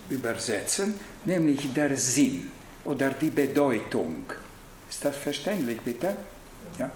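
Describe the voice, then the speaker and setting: A man with a Hungarian accent gives a reflective lecture, halting and searching for words, with frequent restarts. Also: mid-range voice, darkish tone, slight background noise. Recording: very echoey room.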